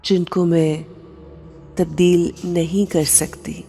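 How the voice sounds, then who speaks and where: A woman with a low, mellow, breathy voice guides a meditation at a very slow, measured pace. She speaks in short phrases with long pauses, in a soft tone wrapped in long reverb. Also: flat delivery. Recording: long reverb with music bed. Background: music.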